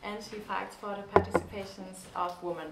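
A woman's voice at a moderate pace over loud background noise. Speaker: event moderator. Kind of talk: panel moderation. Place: hall.

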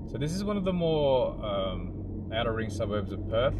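A man talks at a moderate pace while noticeable noise sounds in the background. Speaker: property-hunting vlogger. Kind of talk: casual vlog commentary. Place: car.

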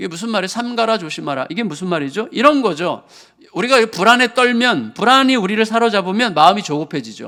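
A raised, projected voice with a bright, sharp tone moves at a fairly quick pace. The intonation is lively. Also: man, high pitch for a man, very clean recording, silent background. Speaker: pastor. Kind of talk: sermon. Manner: conversational, with frequent fillers.

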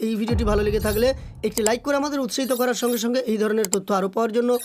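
The speech keeps a fairly even intonation. Behind it, music is playing. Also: man. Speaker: news video presenter. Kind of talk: news reading.

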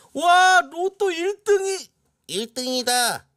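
An extremely high put-on character voice at a very slow pace. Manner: ecstatic and thrilled.

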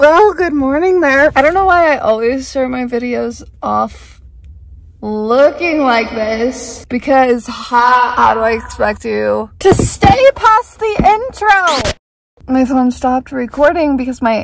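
Speaking very slowly, a woman has a high-pitched voice. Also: dry sound with no echo. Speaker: vlogger living in her car. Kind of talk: casual vlog chat. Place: car. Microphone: phone near.

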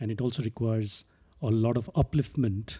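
Somewhat breathy and dark, mellow in tone, a man's medium-pitched voice shows ordinary pitch variation over a quiet background. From India. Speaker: bartender and hotelier. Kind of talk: casual interview. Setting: studio. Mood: cheerful, smiling. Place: studio. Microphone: studio mic.

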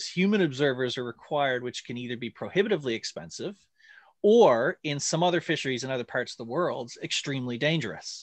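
A man with a Canadian accent talks at a very fast pace with fairly high pitch. His intonation is lively, and the background is quiet. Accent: Canadian North American. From Newfoundland, Canada. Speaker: seabird researcher and show host; show host. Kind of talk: online seminar discussion. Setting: video call. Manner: casual and jokey. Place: home room. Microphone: studio mic.

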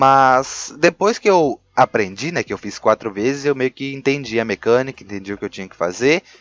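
Speaking in an animated tone, a man uses lively intonation at a medium pitch and a moderate pace. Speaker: gaming YouTuber. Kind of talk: gameplay commentary. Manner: casual, animated.

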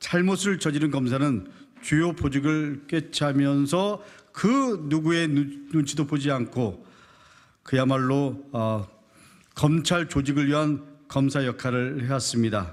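Over a quiet background, a man speaks very slowly with very even loudness. His pitch varies in an ordinary way. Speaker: lawmaker. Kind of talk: press conference statement. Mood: serious, critical. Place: hall.

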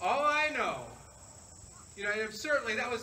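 Projecting a raised voice with lively intonation, a man with a Southern US accent talks at a fairly quick pace over light background noise. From US South. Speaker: pastor. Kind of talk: sermon. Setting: outdoor church service. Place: garden. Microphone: camera far.

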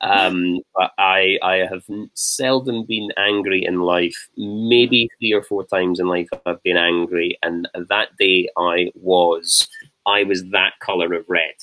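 Very deep and low, a man's voice carries an Edinburgh accent with fairly even intonation. He speaks at a very slow pace over light background noise. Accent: Scottish (Edinburgh). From Scotland, Edinburgh; Scotland. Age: 30s. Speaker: chef; interview guest. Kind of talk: casual interview chat. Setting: video call. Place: home room.

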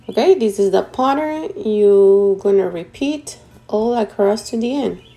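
Faint music plays in the background. Over it, a woman speaks at a very slow pace. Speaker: crochet instructor. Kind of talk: tutorial.

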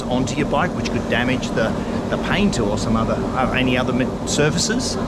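Loud background noise fills the recording. A man speaks over it at a moderate pace. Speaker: scooter tutorial host. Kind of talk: tutorial. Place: street. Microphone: phone near.

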